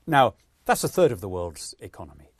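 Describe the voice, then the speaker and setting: A British-accented man, born in Peru and living in England, appears as a podcast guest and is a politician. He tells stories with energy, acting out quotes and restarting often. His voice is fairly low and fairly quick, with no echo.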